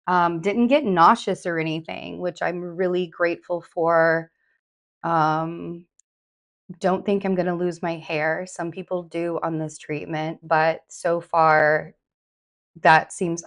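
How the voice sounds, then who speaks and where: A woman with a hoarse, slightly raspy voice, giving viewers a casual, rambling update full of fillers and restarts. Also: lowish voice. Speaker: tarot reader and vlogger. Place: home in New York.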